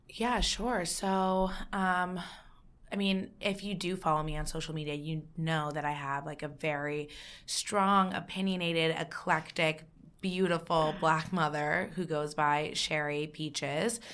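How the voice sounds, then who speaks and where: A woman with a normal speaking voice talks at a fairly slow pace, her fairly low pitch held in fairly even intonation. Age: 30s. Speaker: wellness entrepreneur, DJ and author. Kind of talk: casual interview. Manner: casual, uses profanity freely.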